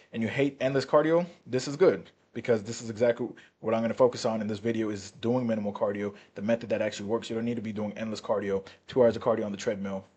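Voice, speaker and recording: Male fitness coach, husky voice, rapid delivery, blunt and swearing, straight-to-camera pep talk. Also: fairly low pitch, darkish tone. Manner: blunt, profane, repeats "right?" and "all right?". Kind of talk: casual talking-to-camera coaching. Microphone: turned-up mic, quiet recording.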